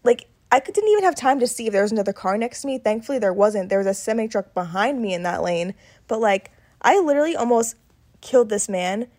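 A young woman in her twenties with a slightly high voice chats on a podcast. She tells her stories in an animated rush, full of "like" and quick restarts. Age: 20s. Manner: chatty, animated storytelling full of "like". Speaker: podcast co-host. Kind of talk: casual chat.

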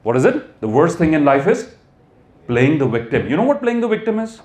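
Higher-voiced North Indian man, motivational speaker. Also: sing-song, brisk, a little mellow. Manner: emphatic, prompting listeners with questions and repetition. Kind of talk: motivational talk to a live audience.

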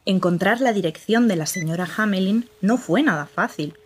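A woman narrating in first person as a female reporter, in a measured, reflective way. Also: medium pitch, background noise, close to an everyday voice. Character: female reporter narrating her own investigation.

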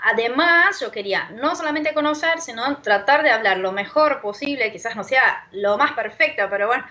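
Brazilian woman, native Portuguese speaker, bright higher voice, dull lo-fi audio, thoughtful with many fillers. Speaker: guest, language teacher. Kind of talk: casual interview talk.

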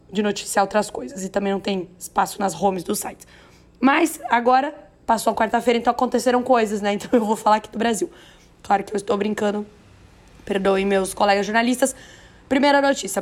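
A hoarse, raspy-voiced woman with a Brazilian accent, hosting a news podcast in a chatty, playful way with self-deprecating asides. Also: medium pitch. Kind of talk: chatty, conversational news narration.

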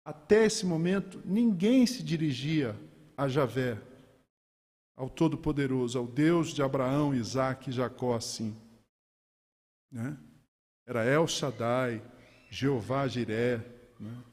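A man preaching a sermon to a congregation, animated and firing rhetorical questions. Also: mid-range voice, slow, pauses often, in a large hall.

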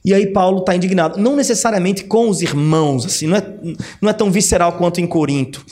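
A man's voice: high voice, fast, darkish tone. A man teaching the Bible in a chatty, conversational way, often checking in with his listeners. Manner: chatty, with frequent "né?" asides and restarts.

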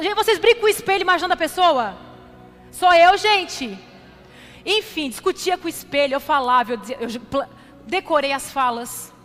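A woman's voice: high voice, fairly bright tone. A woman pastor, giving a sermon and telling a self-mocking personal story while addressing the congregation directly. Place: church hall, preaching from a stage. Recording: long hall reverb with faint music.

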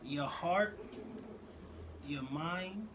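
A man's voice: a little high, drawn-out words, noisy background. Slangy man giving casual advice. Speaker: guest. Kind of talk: casual chat.

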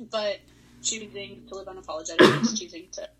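A young adult woman with a bright, lively tone talks through her thoughts as a podcast guest. She processes verbally, circles back, restarts phrases and laughs lightly as she reflects. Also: medium pitch, brisk, poor audio. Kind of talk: reflective conversational interview.

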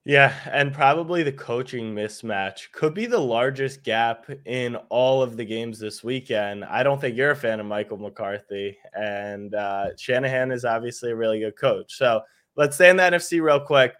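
Young man, mid pitch, sports show host, brisk questions, teasing tone. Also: a bit bright. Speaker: podcast host. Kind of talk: casual sports talk.

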